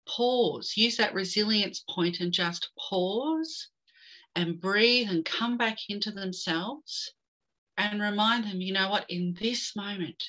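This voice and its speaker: Bright-voiced middle-aged woman guest. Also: mid-range voice, low-quality recording. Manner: animated storyteller, tells jokes. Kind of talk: video call interview. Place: home room with bookshelves. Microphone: video call.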